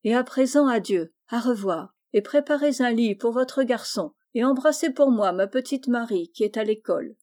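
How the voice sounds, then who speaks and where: A woman's voice: on the high side, normal speed, hardly any pauses, darkish tone, natural voice. A woman reading the part of a hearty, generous older male farmer in a storybook, jovial and exclaiming.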